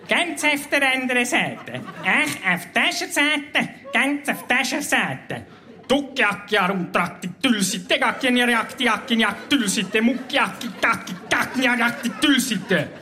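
A man performing spoken word poetry on stage, chanting repetitive lines and strings of invented nonsense words in a steady rhythm. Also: sits high.

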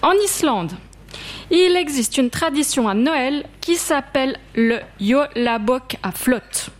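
A woman, a library guest on a radio show, reading prepared anecdotes in a clear, measured way. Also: high voice, animated.

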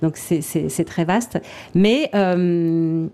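A middle-aged woman speaks in a mellow, warm tone, talking as an author and translator. She thinks aloud, pausing and restarting her sentences often. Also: fairly low pitch. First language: French. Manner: thoughtful, halting, frequent restarts. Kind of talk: radio interview answers.

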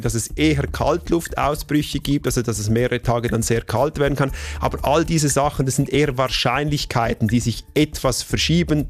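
A man's voice: medium pitch, no room sound. A man explaining things as an expert in an interview.

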